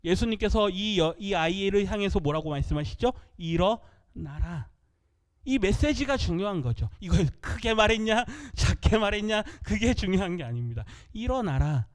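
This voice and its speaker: High-voiced pastor preaching a sermon. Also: male voice, animated, moderate pace, few pauses. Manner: asks the congregation questions and answers them himself; reads scripture aloud with the congregation. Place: church.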